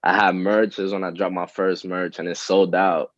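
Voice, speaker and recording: A man in his twenties from the Dominican Republic, a rapper answering interview questions in a relaxed, hesitant way with many fillers. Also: low voice, moderate pace, dry recording. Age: 20s. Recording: dull, lo-fi, dry sound.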